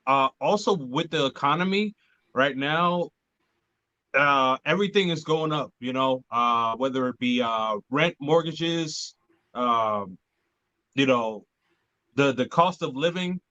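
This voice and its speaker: Male podcast host, casual chat, bright forceful tone, halting delivery, dull dry lo-fi sound. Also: medium pitch, no room sound. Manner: halting, many fillers and restarts.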